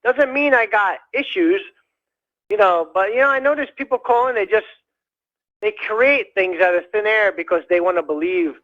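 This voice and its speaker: A man calling in to a radio show, rambling in a halting way with many fillers and restarts. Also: sits high. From United States. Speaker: caller. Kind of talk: rambling call-in chat. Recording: dull lo-fi phone call.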